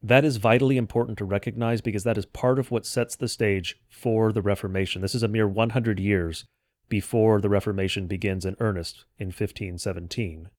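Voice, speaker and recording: A man delivering an explanatory history lecture in a measured, didactic way with formal phrasing. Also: on the low side, fairly even intonation, a little mellow, no echo. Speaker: host of a church history podcast. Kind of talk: explanatory lecture, semi-scripted narration.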